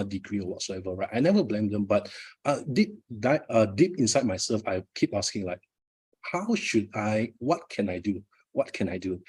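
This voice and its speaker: A man's voice: lowish voice, a little mellow, breathy edge. A middle-aged Malaysian man, a Malay native speaker, giving a live motivational talk at his book launch with frequent fillers and repeated words.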